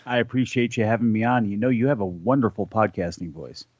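A man's voice: fairly low pitch, a little fast, darkish tone, dry recording, lo-fi sound. A man chatting as a podcast guest from home, telling long rambling stories that he often breaks off and restarts. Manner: rambling, self-interrupting storyteller. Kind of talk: casual podcast conversation. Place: home during a storm.

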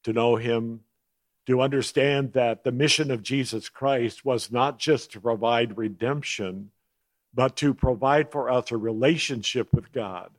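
A man preaching a sermon as a guest speaker, slowing down to lean on key words and clearing his throat now and then. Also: medium pitch, no room sound. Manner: measured preaching with slowed emphasis on key words.

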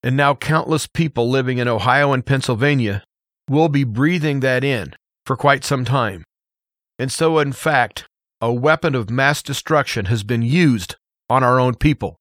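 An American man hosting a radio show, giving an opinion monologue in an emphatic, deliberate way with rhetorical questions. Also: mid-range voice, a bit bright, no echo, clean studio sound.

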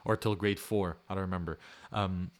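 A man's voice: low voice, fairly even intonation, normal speed. A young man, rambling casually as a podcast co-host, full of slang, fillers and swearing. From Montreal, Canada. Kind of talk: casual chat.

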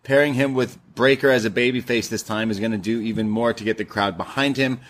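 A man's voice: mid-range voice, steady tone, brisk, fairly bright tone. Laid-back podcast co-host, a man in his thirties, mid-range voice, easygoing delivery. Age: 30s. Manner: laid-back, reads messages aloud, laughs easily. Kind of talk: casual podcast chat, reading listener mail.

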